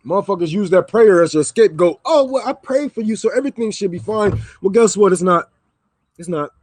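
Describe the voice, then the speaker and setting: High-voiced man ranting heatedly. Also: expressive, fairly quick, darkish tone, no echo. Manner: heated, profane, preachy, repeats lines for emphasis. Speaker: livestreamer. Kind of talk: livestream rant. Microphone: microphone.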